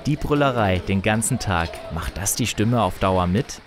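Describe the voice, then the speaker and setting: A man's voice: fairly low pitch, animated, moderate pace. A man reading scripted, light feature narration as a TV reporter. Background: music.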